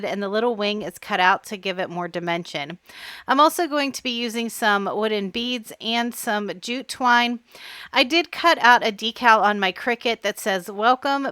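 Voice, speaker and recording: A woman from Pennsylvania hosting a craft tutorial in voice-over, her voice a bit hoarse from allergies, explaining each step in a friendly way. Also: medium pitch, sharp tone, no room sound. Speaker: craft channel host.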